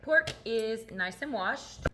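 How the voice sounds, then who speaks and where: A middle-aged woman who has lost her voice, chatting casually and hoarsely for a cooking vlog in her home kitchen. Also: fairly high pitch, lively intonation, slow pace, noisy background.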